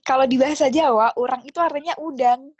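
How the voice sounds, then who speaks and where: A woman's voice: high voice, fast talker, husky, no echo, muffled recording. A woman from Java co-hosting a podcast, chatting casually and acting out quoted dialogue as she tells stories. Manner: animated storyteller, acts out quoted dialogue. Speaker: podcast co-host. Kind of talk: casual chat.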